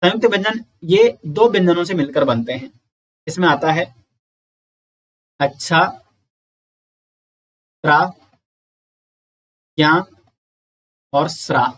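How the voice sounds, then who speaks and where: A man giving an exam-prep lecture, explaining slowly, repeating sounds and counting aloud. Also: a little high. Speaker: teacher.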